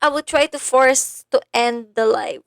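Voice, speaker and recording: A woman's voice: high voice, slow pace, vocal fry, clean tone, no room sound, studio quality. A young woman from Bulacan in the Philippines, chatting casually on a phone livestream and thanking her viewers by name. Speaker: idol livestreamer.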